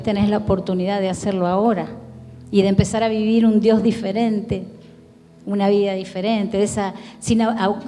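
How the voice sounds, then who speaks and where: A woman's voice: mid-range voice, mellow, big-room sound. A woman pastor with an Argentine accent, preaching a sermon in an earnest, pleading way, talking straight to the listener. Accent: Argentine Spanish. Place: church hall.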